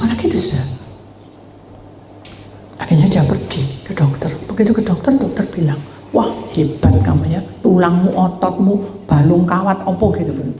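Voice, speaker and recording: A woman pastor preaching a sermon in animated storytelling style, acting out the voices in her stories and calling out to the congregation. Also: lowish voice. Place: church. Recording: echoey church hall, faint ambience.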